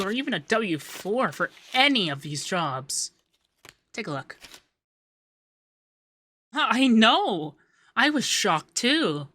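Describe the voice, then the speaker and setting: Man acting a bright-voiced, coy, effeminate young accountant. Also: high voice, a little hiss or hum, full character voice. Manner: coy, teasing, lilting, hesitant in places. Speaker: ASMR voice actor. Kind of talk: ASMR roleplay.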